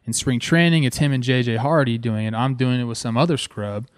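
A man in his thirties from Southern California, a former ballplayer and host, telling stories in an excited, casual way. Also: brisk, no room sound, studio quality. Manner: excited, animated, talks with fillers like "man" and "boom". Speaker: former ballplayer hosting a show. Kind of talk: casual storytelling.

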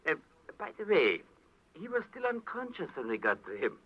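A man's voice: high-pitched, huge pitch swings, normal speed, full character voice. A man playing a curious, businesslike client in a 1940s radio drama, with a hesitant conversational manner. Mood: matter-of-fact. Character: businesslike male client, curious, impressed by the detective. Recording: muffled vintage radio recording.

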